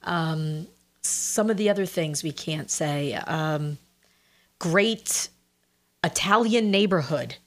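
A middle-aged woman co-hosting a real estate show, talking in a casual, deliberate way. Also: deep voice. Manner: slow and deliberate, chatty. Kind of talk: casual chat.

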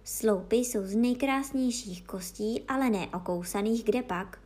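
A woman's voice: fairly high pitch, darkish tone, lightly acted. A woman voicing an old female dog fairy who tells tales in a savouring, storytelling manner.

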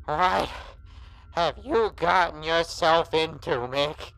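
Very slow, sly monstrous creature. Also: male voice, a little high, gravelly, a bit bright, no room sound, exaggerated voice, poor audio. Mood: wheedling. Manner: slow, drawn-out, insinuating gangster slang. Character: monstrous transformed old pal, sly, taunting, warning creature. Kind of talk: noir horror audio drama acting.

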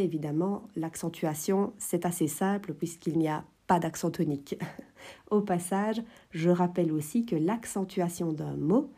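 A woman with a lowish, deeply mellow and slightly husky voice hosts an educational podcast. She explains the sounds of a language in a clear, measured and well-paced way. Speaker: French teacher, podcast host.

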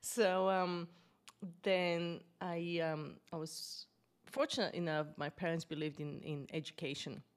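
Bulgarian-accented woman guest, low pitch, chatty and full of fillers. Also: measured pace, clear, resonant tone. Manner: animated, hesitant with many fillers. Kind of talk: conversational storytelling interview.

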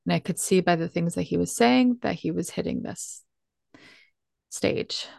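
A woman's voice: on the low side, fairly quick, gravelly, a little mellow, no room sound, studio quality. A woman speaking candidly and emotionally in a conversation, earnest and emphatic.

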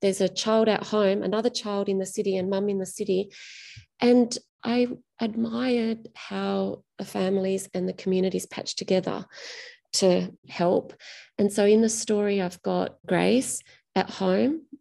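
A woman's voice: medium pitch, fairly even intonation, measured pace, vocal fry, dark tone. A middle-aged woman, an author talking through her novel in an interview, thoughtful and often restarting her phrases. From Australia. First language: Greek.

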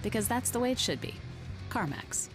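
A woman's voice: fairly high pitch, big pitch swings, moderate pace. A woman playing a car commercial announcer, reading a scripted advertisement. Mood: persuasive. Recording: loud guitar music over commercial playback.

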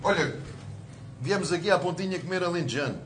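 A man's voice: high voice, brisk, background noise. A male host leading a casual, teasing chat with former footballers in a bar. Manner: jovial, teasing. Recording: loud background music.

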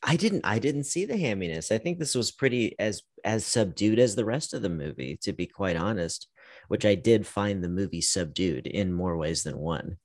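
Playful low-voiced man chatting. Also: lively intonation, moderate pace. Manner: playful, teasing, contrarian. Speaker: podcast host. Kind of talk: casual movie review chat.

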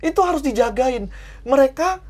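Man, trainer, podcast guest, animated, acts out quotes. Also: extremely high pitch, moderate pace. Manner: animated, acts out quoted voices, laughs often. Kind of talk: casual podcast conversation.

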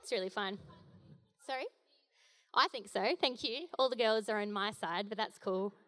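A woman's voice: medium pitch, normal speed, a bit bright. A young woman giving a casual, jokey sermon as a guest preacher, with playful asides.

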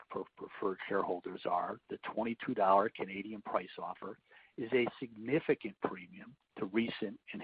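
A man speaking as a company executive, giving a prepared earnings call presentation in a formal, measured, explanatory way. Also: fairly low pitch, breathy edge. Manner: measured, formal, explanatory, poses questions then answers them. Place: conference call over a phone line. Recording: tinny phone line with roomy echo.

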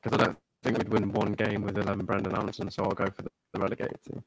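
A man's voice: fairly low pitch, level tone, fast, noisy background. A man co-hosting a casual football podcast, blunt and swearing freely. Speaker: podcast co-host.

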